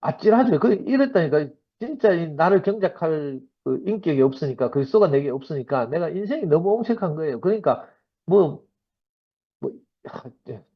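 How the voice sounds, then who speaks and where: A man in his fifties with a Gyeongsang accent gives a sermon-style testimony, slightly husky and pitched a little high. He tells his stories in a lively, anecdotal way. The recording is dull and lo-fi. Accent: Gyeongsang Korean. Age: 50s. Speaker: church member giving a talk.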